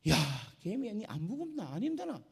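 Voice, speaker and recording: A worn-out camel complains about its load in a husky, high voice, which a man puts on mid-sermon. It fires off exasperated questions. The sound rings with long church reverb. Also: very animated, fairly quick, warm tone, heavily acted. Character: weary grumbling camel hauling its master's load.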